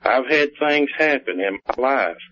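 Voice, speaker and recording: A man's voice: medium pitch, expressive, unhurried, bright, forceful tone. A man calling in to a radio show, preaching insistently about his faith. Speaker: caller. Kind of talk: phone-in argument on a radio show. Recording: muffled lo-fi radio call.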